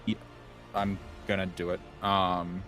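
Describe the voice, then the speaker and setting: A man's voice: low-pitched, little pitch movement, takes it slowly, sharp tone, faint music behind. A man playing a tabletop game, thinking his moves through aloud with lots of hesitant ums. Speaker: player.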